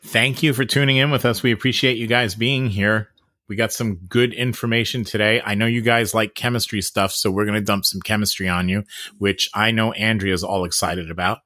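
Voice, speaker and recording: A man's voice: lowish voice, steady tone, brisk, bright, forceful tone, dry recording, clean studio sound. A man co-hosting a podcast with casual banter and stories, in a joking, bluntly wry manner. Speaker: podcast co-host.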